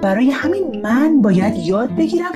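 A woman voicing a calm, kind schoolboy who reasons patiently, in an audio storybook over guitar music. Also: fairly high pitch, voice pushed up. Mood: gentle.

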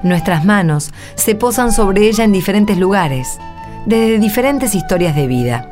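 An actress with an Argentine accent playing a playful, firm, kindly nun in a radio drama. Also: female voice, medium pitch, lively intonation, unhurried, a little mellow, faint music behind, natural voice. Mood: earnest. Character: playful, brisk religious sister, kindly and firm. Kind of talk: radio drama acting and narration.

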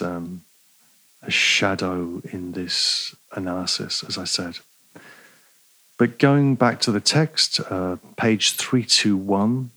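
A man delivers a university-style philosophy lecture, reading passages aloud and stopping to reflect. His voice sits low with a gravelly edge. He talks in a measured, digressive way, pausing on fillers and tossing in rhetorical questions. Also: fairly bright tone, low-quality recording. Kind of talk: academic lecture.

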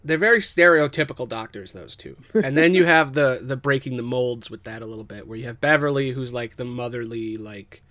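A man's voice: medium pitch, brisk, hardly any pauses, fairly bright tone, dry recording. A man in casual chat, brainstorming characters with a co-host, loose and profane with many fillers.

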